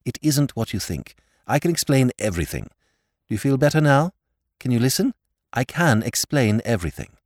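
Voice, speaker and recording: An earnest young storybook gentleman, acted out by a man narrating. He sounds sincere and keen to explain, with an apologetic edge. His pitch moves a great deal and the sound is dry. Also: big pitch swings, moderate pace, dry recording. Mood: tender, urgent.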